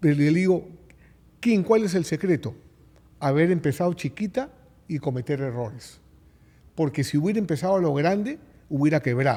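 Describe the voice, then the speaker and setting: Over a very clean recording with a silent background, a man with a fairly high pitch and a dark, mellow tone speaks at a moderate pace, his lively intonation broken by long, frequent pauses. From Peru. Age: 60s. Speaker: real estate investor and business executive. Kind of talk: podcast interview.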